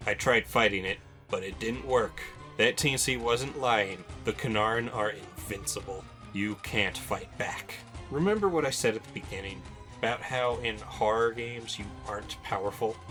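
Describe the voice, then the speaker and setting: A man narrates a video game countdown in a fairly low voice. He talks informally, like a personal retrospective, with wry asides. Music plays softly behind him.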